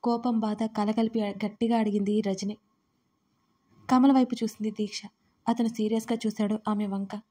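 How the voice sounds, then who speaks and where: A woman tells a serialized romance story in a steady, scripted narration. Her voice is mellow and soft-edged, sitting at an ordinary middle pitch for a woman. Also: moderate pace, breathy edge. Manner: reads every part herself, louder and higher in the characters' lines.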